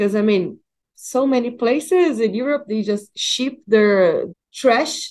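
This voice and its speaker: Talking at a fairly slow pace with ordinary pitch variation, a woman with a Portuguese accent has a fairly high pitch. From Brazil. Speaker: geologist. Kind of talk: interview. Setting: remote recording.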